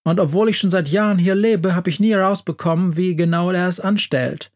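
A man voicing a big, hairy, soft-hearted male monster who loves fancy shoes, in a children's audio story. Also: sits high, fairly quick, pitched above the performer's own voice. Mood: confiding. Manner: bashful, excitable, tearful.

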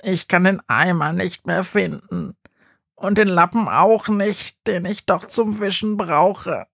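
A small, scatterbrained old gnome with a high, thin, plaintive voice, put on by a man. He talks in a muddled, fretful way, dry and close to the mic. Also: slow, gravelly, fairly bright tone, dry recording, exaggerated voice. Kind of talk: storybook reading.

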